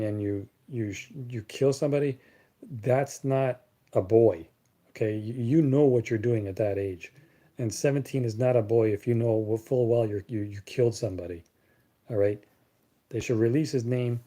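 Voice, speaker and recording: A man's voice: mid-range voice, warm tone. A man from Canada hosting a casual live Q&A chat, blunt and sarcastic, rambling and repeating words as he talks. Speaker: live stream host.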